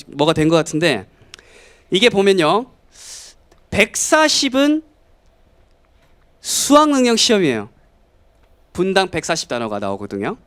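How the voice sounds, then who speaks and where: A man in his thirties from South Korea giving a lively lecture to students, often acting out quoted voices. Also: high voice, clean tone. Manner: animated, acts out students and family in quoted voices. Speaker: English lecturer.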